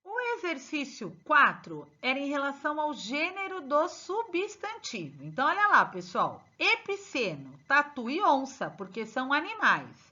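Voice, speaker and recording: A woman teacher, slowly and emphatically going through exercise answers with her pupils. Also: sits high, huge pitch swings, sharp tone. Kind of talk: exercise correction lesson. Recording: dull lo-fi recording.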